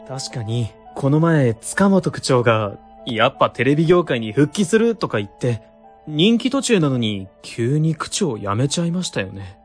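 A man's voice: mid-range voice, very animated, normal speed, faint music behind, natural voice. A man playing a thoughtful office worker in a radio drama, speaking in a reflective way. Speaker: ward office staffer. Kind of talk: amateur web radio drama acting.

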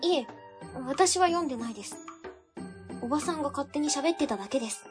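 A woman's voice: high voice, expressive, brisk, over music. An actress playing a polite, methodical young female civil servant in an amateur web radio drama. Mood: insistent.

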